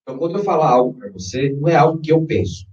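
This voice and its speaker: A man's voice: fairly high pitch, sing-song, very fast, a little mellow. A man with a Brazilian accent speaking as a workshop trainer, instructing and persuading a group and guiding them through exercises. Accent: Brazilian Portuguese. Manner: instructive, persuasive, checks in with short questions. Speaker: NLP trainer leading a live workshop. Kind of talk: public workshop talk and guided visualization. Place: echoey room, live session in front of a group. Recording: roomy, distant, dull sound.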